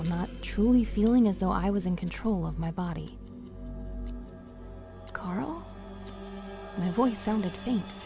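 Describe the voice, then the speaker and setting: Woman acting a dazed, horror-struck woman, creaky voice. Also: mid-range voice. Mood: frightened pleading. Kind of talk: first-person horror audio drama narration.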